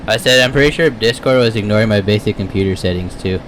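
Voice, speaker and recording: A man with a lower voice talks casually over an online voice chat, his audio cutting in and out mid-sentence. He sounds relaxed and informal and trails off between thoughts, like a gamer on a home computer mic. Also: fast, noisy background. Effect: voice cutting in and out over an online call. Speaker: podcast guest.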